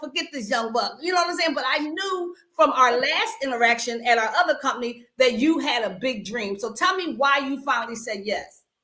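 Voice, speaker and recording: A woman's high voice is raised and projected, with an animated tone. She talks at a fairly quick pace with hardly any pauses. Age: 50s. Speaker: business mentor hosting a livestream segment. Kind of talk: livestream interview.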